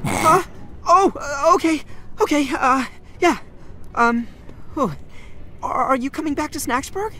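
A man voicing a timid, earnest, excitable little furry creature in a cartoon video game, stammering and gushing. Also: extremely high pitch, a little slow, pauses often, slight background noise, full character voice. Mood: nervous, hesitant. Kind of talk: animated video game character acting.

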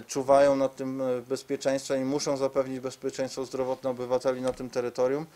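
Flat-toned man presenting formally. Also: medium pitch. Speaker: medical reform spokesman. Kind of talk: press conference presentation. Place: conference room, seated at a table before a screen. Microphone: press microphones on the table.

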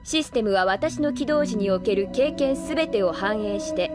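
An actress playing a composed, logical female android in a Japanese audio drama, speaking formally in a measured, deadpan manner. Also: medium pitch, over loud music, close to an everyday voice. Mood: detached, analytical.

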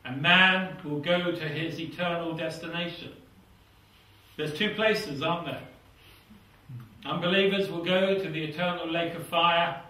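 A man's voice: a little high, fairly even intonation, unhurried. An older man with a British accent preaching a fervent sermon and reading scripture in a small church hall. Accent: British English. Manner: earnest, fervent, drops voice to a hush at phrase ends. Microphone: lapel mic. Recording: echoey hall, somewhat far from mic.

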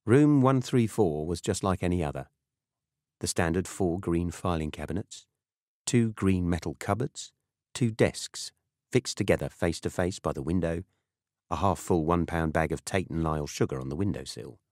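A British man narrates a first-person novel in a deep voice. His delivery is measured and dry. The recording is close and free of room sound, as suits a scripted audiobook. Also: darkish tone, no echo.

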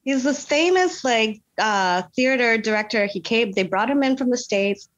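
A woman's voice: on the high side, moderate pace, highs cut off. A woman from Canada, a guest actress in a casual interview, telling stories animatedly with lots of "like" fillers and acted-out quotes. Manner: animated, frequent "like" fillers, quotes people in voices.

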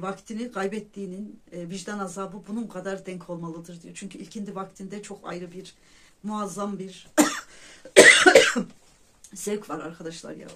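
A woman with a bright, pushed, medium-pitched voice talks casually to her viewers, often calling them her friends. She earnestly shares religious reflections and retells her dreams, storytelling thoughtfully with pious phrases.

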